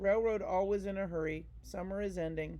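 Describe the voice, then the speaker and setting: The speaker uses a put-on character voice at middle pitch and a moderate pace. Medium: read story. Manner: formal, polite.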